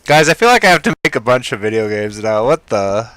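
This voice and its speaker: A man giving casual commentary while browsing, thinking aloud in an excitable way and often trailing off quietly. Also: medium pitch, no echo. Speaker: hobbyist game developer. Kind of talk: casual screen-recording commentary.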